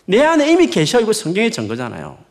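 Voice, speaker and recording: A male pastor delivers a sermon, his voice swooping high and low as he leans into each point. There is a gravelly fry in his tone, and he coaxes his listeners with rhetorical questions in a warm, conversational manner. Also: fast. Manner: lively, rising and falling emphatic preaching.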